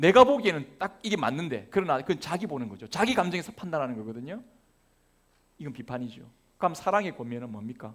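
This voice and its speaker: A man talks very fast at a fairly high pitch. His pitch swings very widely and his loudness shifts greatly. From Busan, Gyeongsang region, South Korea. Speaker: pastor. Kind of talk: sermon. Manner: animated, interactive with congregation.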